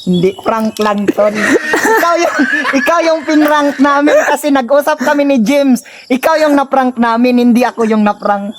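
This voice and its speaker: Very high-voiced man scolding, then coaxing. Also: normal speed, background noise. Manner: mock-angry scolding, then coaxing and apologetic. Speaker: vlogger. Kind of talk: casual prank vlog.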